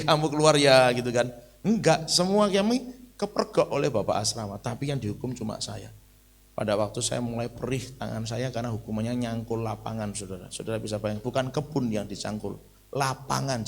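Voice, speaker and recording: Gravelly-voiced male preacher. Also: mid-range voice. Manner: conversational storytelling, rising to emphatic declaiming. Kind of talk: sermon.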